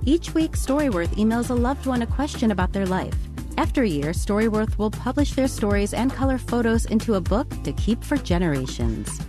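A woman's voice: a little high, sing-song, a little fast, music in the background. A woman reading a sponsor message on the radio in an upbeat way. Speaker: sponsor announcer.

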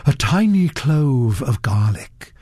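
A man's voice: medium pitch, big pitch swings, slow, mellow, no echo. A man voicing a dreamy, absent-minded actress who murmurs and gushes over food.

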